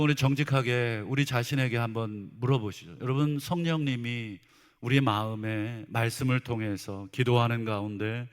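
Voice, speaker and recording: A male pastor preaching a sermon with humor, acting out exchanges between spouses and asking the congregation questions. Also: mid-range voice. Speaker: senior pastor. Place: church sanctuary. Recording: long church hall reverb.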